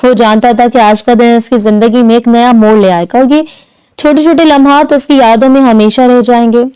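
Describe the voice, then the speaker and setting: Brief: female audiobook narrator, soft measured delivery, mellow tone, slightly high. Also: steady tone, smooth, rough recording.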